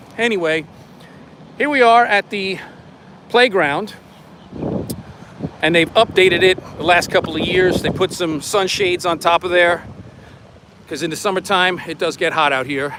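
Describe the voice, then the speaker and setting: There are long, frequent pauses as a man with an American accent talks at a moderate pace in a high voice with ordinary pitch variation, amid noticeable background noise. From Long Island, New York. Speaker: real estate agent. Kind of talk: live-streamed walking tour. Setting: outdoors, walking in a park. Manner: casual, conversational.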